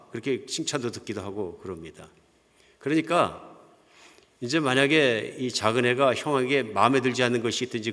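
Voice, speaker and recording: Older male pastor in a reverberant church. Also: mid-range voice. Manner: conversational, anecdotal storytelling with soft chuckles. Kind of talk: sermon. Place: church sanctuary. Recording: long hall reverb.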